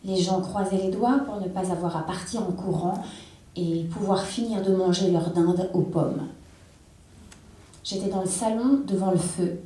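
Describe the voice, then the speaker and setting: A woman reads a literary text aloud in an intense, measured way, her voice low and dark. She is heard from a distance on a theatre stage, and the room gives a strong, ringing echo. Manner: intense, measured dramatic reading. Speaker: reader. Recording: echoey hall, distant mic.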